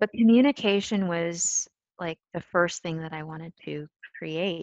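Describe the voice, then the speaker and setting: A woman with an American accent speaks at a fairly slow pace in a fairly low pitch, using ordinary pitch variation and long, frequent pauses. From Los Angeles, US. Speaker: herbalist and psychic. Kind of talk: casual interview chat. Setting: podcast interview.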